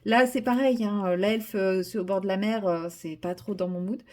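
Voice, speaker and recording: A woman's voice: medium pitch, steady tone, normal speed, a little mellow. Brief: woman vlogger, casual rambling chat at home, lots of ums and restarts. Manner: chatty, rambling, many fillers and restarts.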